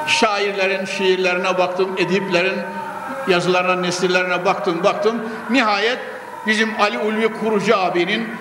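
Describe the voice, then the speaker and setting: An older man preaching a sermon at a pulpit microphone, with an emphatic, oratorical delivery that repeats phrases and moves into recitation. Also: sits high. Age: 60s or older. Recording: echoey hall with long reverb, clear noise.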